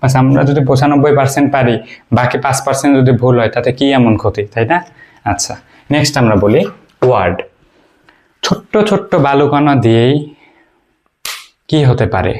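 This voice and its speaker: A man from Bangladesh teaching basic English grammar in an informal video lecture. He explains step by step, pauses often to think, and asks the listener questions that he answers himself. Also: mid-range voice, darkish tone. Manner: frequent hesitations and fillers while he thinks.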